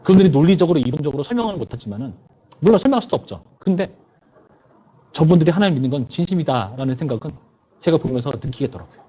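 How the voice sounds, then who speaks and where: A man's voice: on the high side, lively intonation, racing, warm tone, slightly rough, lo-fi sound. A male pastor preaching to a youth service in a conversational way, often putting questions to his listeners.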